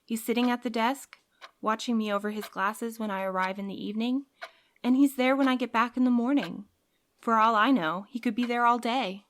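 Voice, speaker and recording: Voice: mid-range voice, brisk, a bit bright, close to an everyday voice. An actor voicing a cautious, rule-minded courier in an audio drama who worries and protests. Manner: anxious, protesting, a bit prim. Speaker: night courier Milo.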